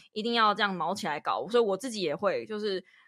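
Recorded very cleanly against a silent background, a woman talks at a very fast pace, her fairly high pitch carrying a bright, sharp tone. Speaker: book-review YouTuber. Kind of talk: casual interview. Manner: chatty, talkative.

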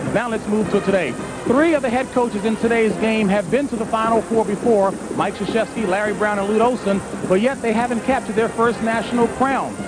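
The speech moves at a fairly quick pace with a dry sound and no echo. Music plays clearly in the background. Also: man. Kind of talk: commentary. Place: stadium. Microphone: handheld.

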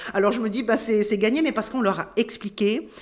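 Her tone animated, a woman talks at a fairly high pitch. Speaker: orchestra conductor and author. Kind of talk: interview. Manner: halting, many fillers and repetitions.

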